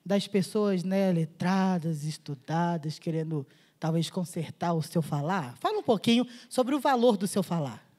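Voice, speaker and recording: A woman's voice: lowish voice, expressive, normal speed, darkish tone. A woman moderating a festival panel, asking interview questions and giving brief, attentive affirmations.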